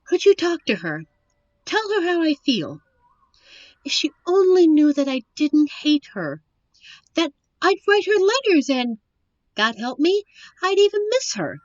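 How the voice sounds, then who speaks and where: A woman's voice: high voice, sing-song, measured pace, pauses often, darkish tone, no echo, highs cut off. A woman playing a young, sheltered princess, earnest and wistful, in a dramatic audio roleplay.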